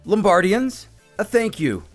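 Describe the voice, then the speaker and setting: A man's voice: high voice, sing-song, a little slow, pitched above the performer's own voice. A man voicing a courtly attendant to a god, formal, flowery and melodramatic, in a storytelling recap. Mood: gracious. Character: courtly, theatrical male attendant of a war god. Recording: music behind the voice.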